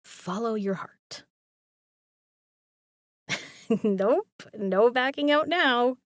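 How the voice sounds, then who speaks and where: A woman's voice: a little high, lively intonation, extremely slow, no echo, clean studio sound. A woman acting a caring, teasing young roommate in an intimate audio roleplay, speaking casually with playful emphasis and some swearing. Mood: warm, teasing.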